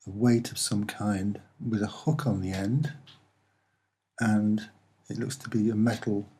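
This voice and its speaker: A soft-spoken man giving a halting, unscripted commentary as he points things out, with frequent pauses. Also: lowish voice, steady tone, slightly rough. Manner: hesitant, halting, with many pauses. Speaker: amateur video presenter.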